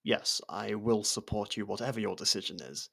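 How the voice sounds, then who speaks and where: A man playing a loyal servant and close friend to royalty in an ASMR roleplay, hesitant, deferential and familiar, gently teasing. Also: lowish voice, normal speed, vocal fry. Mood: supportive, hesitant. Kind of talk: ASMR roleplay audio drama.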